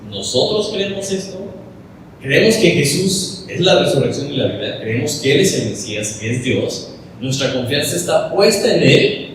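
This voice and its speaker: Mexican pastor preaching casual, lots of questions, far from the mic in a super echoey hall. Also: male voice. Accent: Mexican Spanish. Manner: conversational, asks many questions. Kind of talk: sermon, Bible study. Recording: echoey hall from a distant mic with faint rumble.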